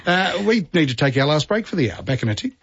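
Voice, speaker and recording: A man's voice: on the high side, sing-song, quick pace, lo-fi sound, heavy background noise. A man with an Australian accent hosting a casual talkback radio show, chatting with guests and callers. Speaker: radio host.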